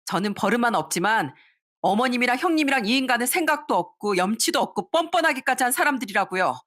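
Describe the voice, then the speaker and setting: A furious young wife, voiced by a woman narrator, shouts in a raised, sharp-tongued voice. She talks back cuttingly without pausing. This is storybook drama read aloud. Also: a little high, lively intonation, voice pushed up. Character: furious young wife standing up to her in-laws.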